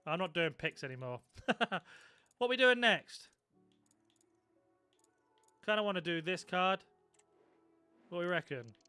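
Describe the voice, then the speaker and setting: A man's voice: sits high, lively intonation, slow, long pauses, pushed and bright, clear, resonant tone, dry recording, faint music behind. A young man chatting casually on a live stream, swearing freely and reacting to his viewers. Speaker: gaming streamer.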